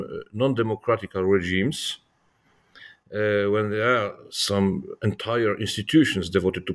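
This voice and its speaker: A middle-aged man with a low, gravelly voice gives considered interview answers. He is not a native English speaker, and he feels his way haltingly through sentences, repeating small words. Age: 50s. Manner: halting, searching for words with frequent repetitions. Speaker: historian and author interviewed.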